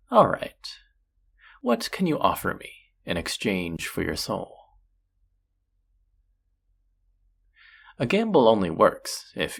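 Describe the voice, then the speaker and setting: A voice actor playing a flirty, possessive demon casino dealer in an intimate audio roleplay, teasing and taunting in a low, husky, breathy voice. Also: full character voice. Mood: amused, intrigued. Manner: teasing, taunting, slow and drawn-out.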